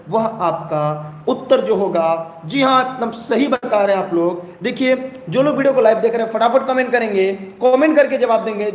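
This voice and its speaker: A young man with an eastern Uttar Pradesh Hindi accent teaching a live online exam-prep lesson, who keeps urging viewers to comment and repeats his phrases. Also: very high voice. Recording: echoey room, faint background noise.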